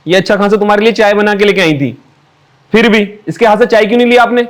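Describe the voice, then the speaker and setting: A man's voice: high voice, rapid-fire, lightly acted. A man playing an earnest young husband who soothes his wife and stands up to his mother. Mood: protesting. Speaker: son and husband. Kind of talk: rural Hindi film drama.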